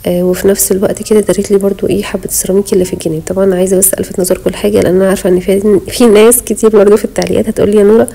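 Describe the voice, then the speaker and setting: Egyptian woman vlogger, breathless and chatty, mellow gravelly tone. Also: medium pitch, flat delivery, racing, rough recording. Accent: Egyptian Arabic. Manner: chatty, pious, talks straight to viewers. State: short of breath while talking. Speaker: home vlogger. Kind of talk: casual voice-over chat. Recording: voice-over.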